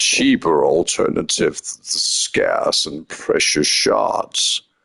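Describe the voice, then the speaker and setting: The pace is very slow. A man delivers it in a put-on character voice. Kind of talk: storytelling, lore exposition. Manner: solemn.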